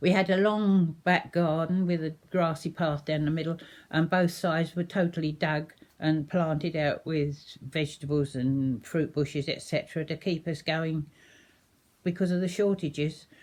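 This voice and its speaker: Speaking at a moderate pace with an Essex accent, a woman with a fairly low pitch is heard in a very clean recording against a silent background. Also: fairly even intonation. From Essex, England (Great Baddow, Chelmsford). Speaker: local resident sharing war memories. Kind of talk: oral history testimony. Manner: hesitant, many fillers.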